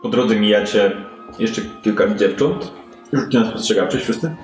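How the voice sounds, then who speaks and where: A man's voice: lowish voice, normal speed. A man improvising conversational, descriptive narration as the game master of a tabletop role-playing session. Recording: roomy sound with music behind.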